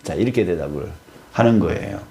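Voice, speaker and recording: Male pastor from Gangwon Province, sermon, storytelling, low voice, starts sentences with "자,". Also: lively intonation, a little fast, gravelly, warm tone. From Gangwon Province, Korea.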